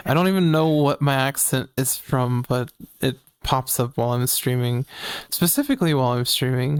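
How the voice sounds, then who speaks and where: A woman's voice: a bass voice, clean tone, no echo, studio quality. Giggly trans woman, tired podcast chat. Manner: giggly, laughs often, animated. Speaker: podcast co-host and streamer. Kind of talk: casual chat.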